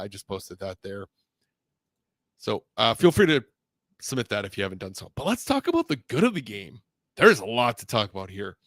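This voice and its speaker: A man's voice: medium pitch, a bit bright, no room sound. A man hosts a live football stream from a home setup, talking casually and rambling between topics. His voice sits in an ordinary middle range. The sound is dry and close, with no room around it. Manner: chatty and rambling, reads viewer names aloud. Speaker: host of a live sports show.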